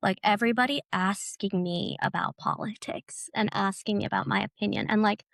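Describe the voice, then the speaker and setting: A woman's voice: mid-range voice, fairly even intonation, fairly quick, gravelly, a bit bright, no echo. A young woman, an actress from Bahrain, chatting casually as a podcast guest with frequent fillers. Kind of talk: casual conversation.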